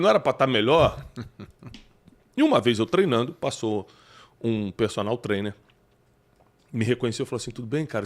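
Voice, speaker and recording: A man hosting a talk show, animated and preachy, often bringing in scripture. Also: medium pitch. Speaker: podcast host. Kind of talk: casual chat.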